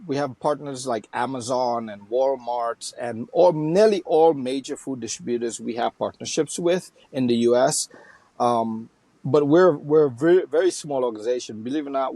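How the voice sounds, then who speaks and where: A man's voice: medium pitch, creaky, darkish tone, no room sound. A middle-aged man from Trinidad and Tobago, a nonprofit founder speaking as a guest in a casual interview, with many fillers and restarts.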